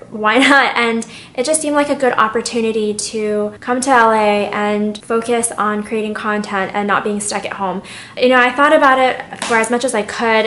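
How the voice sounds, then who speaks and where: Doing her makeup at home, a young beauty vlogger rambles through a candid, chatty get-ready-with-me session, opening up about her feelings and occasionally getting emotional. Her fairly bright, highish voice echoes in a reverberant space.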